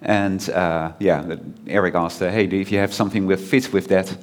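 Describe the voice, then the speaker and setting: A Dutch-accented man preaching in a church hall, his voice sitting a little low. He talks in an easygoing, conversational way, stopping often for ums and restarting his sentences. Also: steady tone, normal speed. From Netherlands. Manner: chatty, many fillers and restarts. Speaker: guest preacher. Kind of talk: informal sermon.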